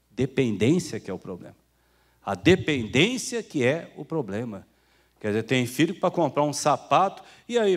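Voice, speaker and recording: A man with a Brazilian Portuguese accent preaching a sermon as pastor, talking to the congregation like brothers and acting out the people he quotes. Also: high voice. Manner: conversational preaching, calls listeners "irmão", acts out quoted voices.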